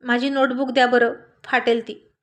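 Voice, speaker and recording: A woman doing a calm patient young man. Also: on the high side, moderate pace, lightly acted. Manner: calm, restrained.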